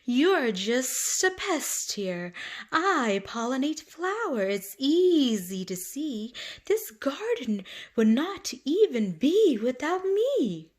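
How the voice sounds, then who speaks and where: A woman's voice: sits high, very animated, slow, pitched above the performer's own voice, heavily acted. A woman voicing a bumblebee who buzzes scornfully that the garden would not exist without it. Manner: buzzy, scornful. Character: buzzing boastful bumblebee.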